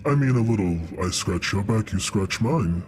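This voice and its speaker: A man's voice: lowish voice, expressive, moderate pace, noisy background, lightly acted. A man voicing a proud, sly young black dragon in a tabletop game, drawling with scorn for mortals as he bargains. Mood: sly, bargaining.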